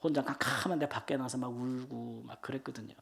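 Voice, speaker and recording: Missionary in their 50s sharing a heartfelt testimony at a church prayer meeting, chatty and emotional, swinging loud to soft. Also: medium pitch, fairly even intonation, fast, vocal fry.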